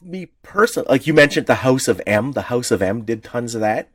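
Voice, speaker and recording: A man co-hosting a podcast in casual chat, opinionated and animated, swearing freely. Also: medium pitch, moderate pace, no room sound, studio quality. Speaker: podcast co-host.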